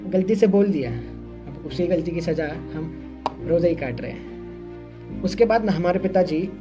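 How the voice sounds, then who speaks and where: A man's voice: sits high, unhurried, muffled recording, music in the background. A young man, playing a shy, earnest engineering student from a village in a scripted monologue. He talks hesitantly, with many fillers and wry self-mockery. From Uttar Pradesh, India. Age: young adult.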